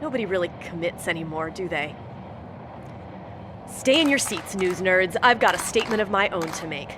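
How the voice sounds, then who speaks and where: A woman's voice: fairly low pitch, animated, moderate pace, background noise, close to an everyday voice. A woman playing a combative, self-righteous politician running for mayor, speaking in pompous, cutting speeches in an audio drama. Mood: scornful. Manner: forceful, pompous public speechmaking with cutting insults.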